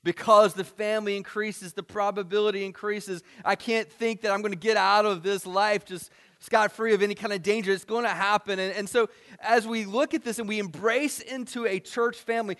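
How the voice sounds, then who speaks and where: A male pastor preaching a sermon to his church, earnest, rising to emphatic points and then dropping soft. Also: sits high.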